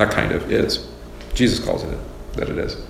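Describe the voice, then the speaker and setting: A man speaks over noticeable background noise. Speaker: Lutheran pastor. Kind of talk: teaching class. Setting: church classroom. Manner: fast.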